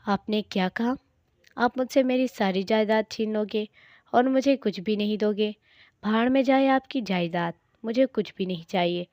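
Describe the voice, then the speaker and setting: A woman's voice: medium pitch, moderate pace, a little mellow, dry recording, studio quality, natural voice. A woman reading the lines of a cruel, hot-tempered young man in a storytelling video, snarling and contemptuous. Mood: defiant.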